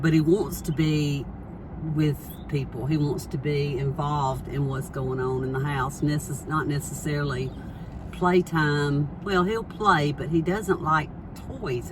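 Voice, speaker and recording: A woman with a very deep, low pitch talks at a fairly slow pace amid noticeable background noise and audible room echo. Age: 60s. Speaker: vlogger. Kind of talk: casual vlog monologue. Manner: rambling with many fillers.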